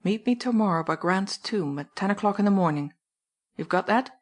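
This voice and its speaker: A woman's voice: mid-range voice, expressive, normal speed, lightly acted. A woman reading an audiobook, voicing a composed man who speaks curtly and firmly. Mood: commanding. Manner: curt, firm. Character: composed adult man, curt and commanding.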